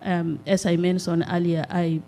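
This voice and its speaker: A middle-aged woman from South Sudan, speaking at a town hall meeting on a handheld mic. She talks in an earnest, measured way, with many "uh" pauses. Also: fairly low pitch, little pitch movement, dark tone. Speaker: community nonprofit representative. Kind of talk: town hall public comment. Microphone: handheld microphone.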